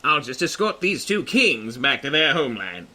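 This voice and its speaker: A man playing a chipper, courtly gentleman adventurer with polite, flowery talk in a comic fantasy audio drama. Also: mid-range voice, big pitch swings, normal speed, heavily acted.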